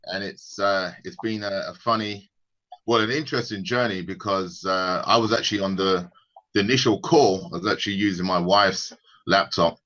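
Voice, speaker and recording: Bright-voiced British man on a call. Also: deep voice, normal speed, lo-fi sound. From United Kingdom. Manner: relaxed, conversational with frequent restarts. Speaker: guest on a video call. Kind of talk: casual storytelling.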